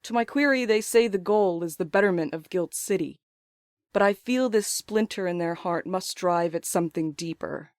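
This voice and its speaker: A thoughtful, uneasy writer, voiced by an actor in an audio drama, with a mid-pitched voice recorded very dry. The delivery is measured and articulate, like a private letter read with literary care. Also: no echo, natural voice. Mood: pensive, uneasy. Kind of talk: scripted first-person audio drama monologue.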